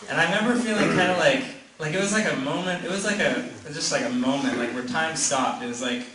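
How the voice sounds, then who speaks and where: A man's voice: on the high side, quick pace, pushed and bright. A man casually telling a personal story to a group, rambling, with restarts, lots of "like", and frequent laughs. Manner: rambling, many restarts and fillers, laughs often. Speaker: gathering participant sharing a story. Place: gathering in a room. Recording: echoey room, mic far off, background noise.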